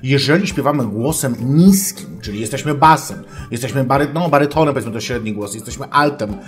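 Man as crude, self-important female sex doctor; mock-academic advice monologue, formal and foul-mouthed, mid-pitched. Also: lively intonation, a little fast, faint music behind, natural voice. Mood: lecturing. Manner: mock-scholarly lecturing, keeps addressing the audience formally, swears. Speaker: advice-show host. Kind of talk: comic character monologue.

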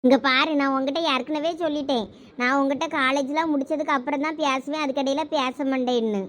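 A very high, shrill young college girl in a cartoon, voiced by a woman. She is anxious but stubborn, insisting and pleading in turn. Her voice sits far above ordinary speech. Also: steady tone, brisk, fairly bright tone, slight background noise. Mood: firm.

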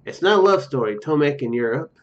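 Here the young streamer sounds fairly high-pitched and expressive, talking fairly quickly while he reads game text aloud and wanders into joking tangents. It's casual let's play commentary from a small room at home, captured on a dull lo-fi mic over background game music.

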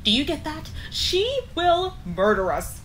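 A woman's voice: high-pitched, big pitch swings, a little slow, a bit bright, slight background noise, full character voice, poor audio. An actress in a comedic audio drama playing an anxious, earnest witch, fretful and emphatic. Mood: frantic, insistent. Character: anxious, earnest witch fretting over a prophecy. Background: storm ambience.

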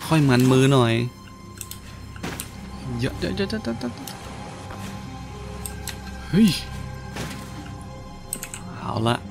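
A man's voice: a little high, big pitch swings, extremely slow, vocal fry, long pauses. A man giving casual gameplay commentary, full of coarse slangy exclamations and talk aimed at enemies. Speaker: gaming YouTuber. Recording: game music behind the voice. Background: video game music and sounds.

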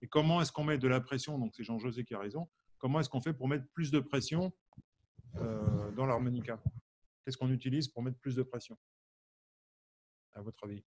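A man's voice: mid-range voice, normal speed, long pauses, a little mellow. A man from the Champagne region of France teaching harmonica in a live online lesson, quizzing viewers and reading their answers out by name. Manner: asks the audience questions, many fillers.

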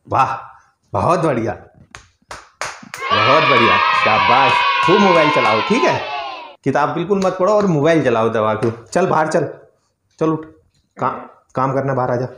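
A man's voice: a little high, expressive, moderate pace, background noise. Playful middle-aged man vlogging village life. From Uttarakhand, India. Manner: teasing, playful chatter with family, animals and children. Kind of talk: casual vlog chat, narrating daily life and talking to those around. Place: village home, mostly outdoors in yard and fields. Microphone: phone at arm's length.

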